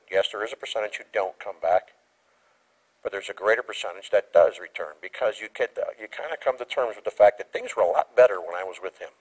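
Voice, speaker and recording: A male pastor preaching a sermon, going from quiet talk to raised emphasis and acting out quoted lines. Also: lowish voice, slightly rough, poor audio. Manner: animated preaching that swings from quiet to raised and loud; acts out quoted lines in little voices. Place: church sanctuary.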